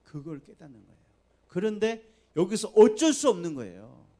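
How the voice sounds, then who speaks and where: High, very animated preaching man. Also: moderate pace. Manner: swings between soft low asides and loud emphatic appeals to the congregation. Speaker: pastor. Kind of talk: sermon. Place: church sanctuary.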